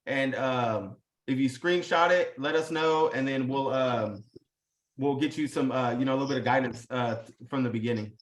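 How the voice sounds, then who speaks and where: A man's voice: mid-range voice, moderate pace, echoey room. A man hosting a live video call, talking in a casual, pumped-up motivational way, heavy on slang, swearing and fillers. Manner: hyped, profane, full of slang and fillers. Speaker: host.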